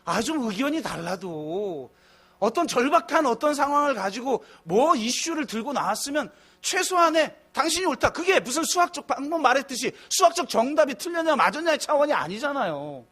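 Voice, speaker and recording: High-voiced Korean pastor preaching. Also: male voice, very animated, a little fast. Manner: conversational preaching, swings from soft musing to loud emphatic outbursts. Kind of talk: sermon. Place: church sanctuary.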